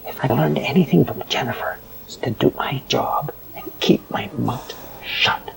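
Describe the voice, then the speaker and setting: Gravelly, cynical newsroom man played by an actor. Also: medium pitch, unhurried, whispered, low-quality recording. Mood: tense, warning. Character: cynical, fearful male newsroom worker who obeys management. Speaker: voice actor in an audio drama. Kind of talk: audio drama dialogue.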